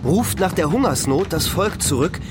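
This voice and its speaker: A man narrating an epic poem for a radio play in a measured, declamatory way. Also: fairly high pitch, expressive, loud music behind the voice, close to an everyday voice. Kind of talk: solemn scripted recitation of epic poetry.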